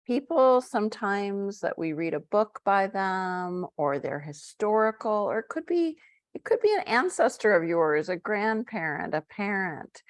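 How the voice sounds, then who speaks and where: A woman leading a live-streamed guided meditation, talking softly and gently with drawn-out phrases. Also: medium pitch, dry recording, clean studio sound. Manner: soft, slow guiding with drawn-out phrases and fillers.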